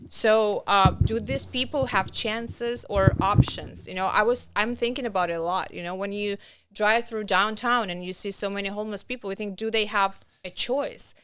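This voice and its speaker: A woman in her thirties with a Russian accent, talking earnestly and haltingly as a podcast guest. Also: mid-range voice, fairly bright tone, slight background noise. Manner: earnest, halting, with restarts and non-native grammar. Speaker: podcast guest, nonprofit founder. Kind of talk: conversational interview.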